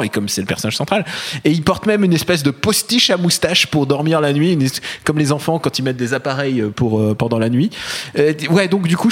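Male critic, raised pitch, jokey and emphatic, casual panel banter. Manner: animated and jokey, with emphatic asides. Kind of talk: casual film discussion.

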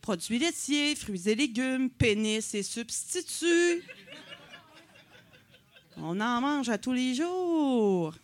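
Her voice runs high with big pitch swings, a slow pace and frequent pauses. She's a Quebec City comedian in her forties with a Quebec French accent, doing a chatty, self-deprecating stand-up set at a comedy night, filled with filler words.

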